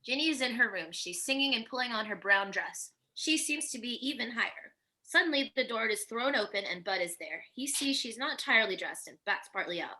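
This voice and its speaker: A woman's voice: on the high side, lively intonation, brisk, hardly any pauses, pushed and bright, rough recording. A woman reading stage directions as scripted narration at a virtual table read.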